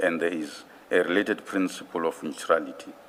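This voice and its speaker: Noticeable background noise is present. Against it, a man talks fairly slowly. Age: 60s. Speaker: witness at commission of inquiry. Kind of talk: testimony. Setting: commission hearing room. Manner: formal.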